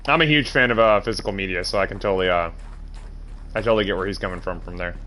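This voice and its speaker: A man's voice: low voice, fast talker, pushed and bright. Congested man chatting over his game. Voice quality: nasal. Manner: rambling, chatty asides to viewers. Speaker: streamer playing a game. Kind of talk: casual game commentary.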